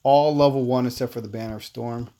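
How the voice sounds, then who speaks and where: A man casually chatting with viewers while playing a game on a livestream, relaxed and talkative. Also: medium pitch, quick pace. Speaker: livestream gamer.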